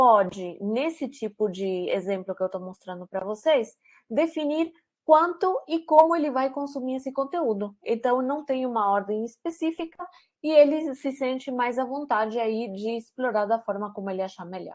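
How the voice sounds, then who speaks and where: Speech in a Spanish accent at a moderate pace, with lively intonation and big swings in loudness. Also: woman. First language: Spanish (speaking Portuguese). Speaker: teacher. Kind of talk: online workshop lecture. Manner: hesitant, frequent fillers.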